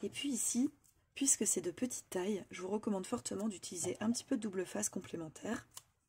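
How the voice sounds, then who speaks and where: Her voice is dark, mellow and somewhat breathy, set at medium pitch. This woman speaks at a fairly quick pace with lively intonation. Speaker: crafting youtuber. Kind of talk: tutorial.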